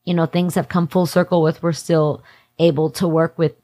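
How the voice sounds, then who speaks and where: A woman's voice: sits low, little pitch movement, normal speed, warm tone. A twenty-nine-year-old woman speaking as an interview guest in casual, candid conversation, with slangy, informal phrasing full of "like". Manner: informal slang-filled talk, heavy use of "like". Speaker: interview guest working in music industry event production.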